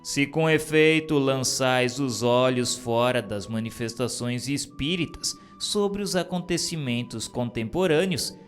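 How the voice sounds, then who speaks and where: Male reader, slightly high voice, very slow solemn formal reading, faint music underneath. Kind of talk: solemn reading of a spiritist text.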